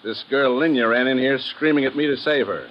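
Man playing matter-of-fact legation official, middle-pitched, earnest, 1950s radio drama, dull noisy recording. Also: fairly quick, natural voice.

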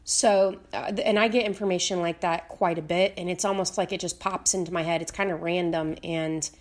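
Woman, lower-pitched, a bit raspy today; relaxed teacher talking to camera with lots of fillers. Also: a little fast. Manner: relaxed, many fillers and restarts. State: slightly raspy voice. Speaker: psychic medium teacher. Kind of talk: casual talk to camera.

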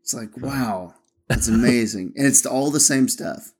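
A man's voice: mid-range voice, measured pace, breathy edge. A man hosting a sports podcast, chatting casually with cohosts and signing off the show with plenty of fillers. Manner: relaxed, filler-heavy sign-off. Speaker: podcast host.

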